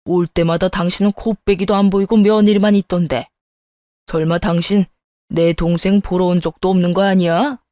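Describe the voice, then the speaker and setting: A woman's voice: lowish voice, fairly even intonation, normal speed, dark tone, no room sound, close to an everyday voice. A woman voicing a stern older father-in-law who scolds harshly, in a dry close recording. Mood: furious.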